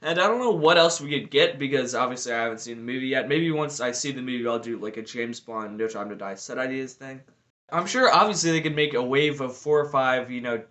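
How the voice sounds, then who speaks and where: A man's voice: medium pitch, sharp tone. A man talking casually on a hobby vlog, rambling and often filling with "you know" and "like". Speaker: Lego video creator. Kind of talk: casual speculative vlog chat.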